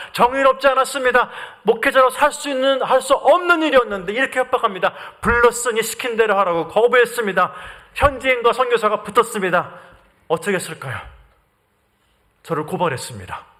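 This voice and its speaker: A man's voice: very high voice, lively intonation, fairly quick, sharp tone. A middle-aged man from Korea preaching a sermon as a missionary, telling his story with earnest rhetorical questions to the congregation.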